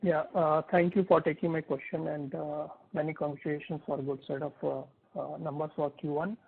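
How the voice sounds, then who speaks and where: A man's voice: a little high, little pitch movement, a little fast, vocal fry, a little hiss or hum. A man with an Indian accent asking questions as an analyst on an earnings call, phrasing things hesitantly and piece by piece. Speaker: analyst caller. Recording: thin, narrow phone line.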